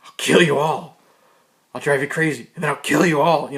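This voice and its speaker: A put-on character voice at a moderate pace. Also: man, fairly high pitch for a man. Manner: menacing, threatening.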